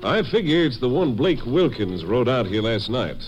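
Guy playing folksy sheriff, lively up-and-down voice, muffled old radio recording. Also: mid-range voice, normal speed, faint music behind, natural voice. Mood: matter-of-fact. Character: plain-spoken, helpful country sheriff. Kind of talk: 1950s radio western acting.

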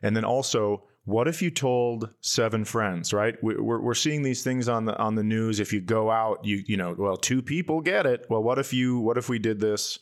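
A man's voice: fairly low pitch, normal speed, hardly any pauses. A man hosting a comedy podcast, bantering casually in a playful, joking and crude way. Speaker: podcast host.

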